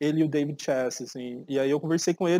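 Very fast male speech, its pitch varying in an ordinary way. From Brazil. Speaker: computer science researcher; guest. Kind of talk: Q&A discussion; lecture. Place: classroom.

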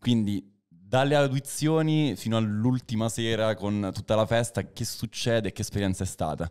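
A man in a normal speaking voice at a medium pitch, with ordinary pitch variation, a moderate pace and hardly any pauses, in a very clean recording with a silent background. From Marche, central Italy. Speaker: radio host. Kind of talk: casual interview chat. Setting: studio.

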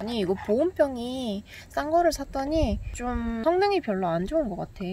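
A woman talks fairly slowly with very wide pitch swings, in a dry sound with no echo and light background noise. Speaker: camping vlogger. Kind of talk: casual vlog chat. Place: open country. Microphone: phone near.

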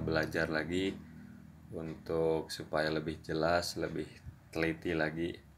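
Over light background noise, a man with a West Javanese accent speaks at a fairly slow pace in a very deep, low pitch. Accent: Sundanese accent in Indonesian. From Sundanese region, West Java, Indonesia. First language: Sundanese (speaking Indonesian). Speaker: YouTuber reviewing tools, aspiring mechanic; tool reviewer. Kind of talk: unboxing product review. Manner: halting, not fluent. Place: home room. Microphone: phone near.

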